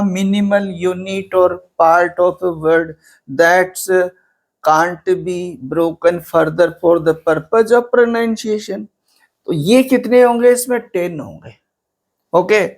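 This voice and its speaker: Slow, high-voiced male teacher. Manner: asks the class questions and answers them himself; switches between Hindi and English terms. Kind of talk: exam-prep lecture.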